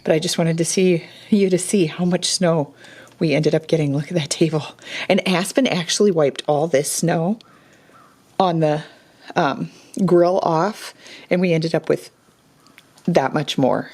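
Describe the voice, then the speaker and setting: This homeschooling mother's voice sits low, a little slow and darkish in tone. She's recording a casual vlog indoors at home, talking to the camera in a rambling way and often correcting herself.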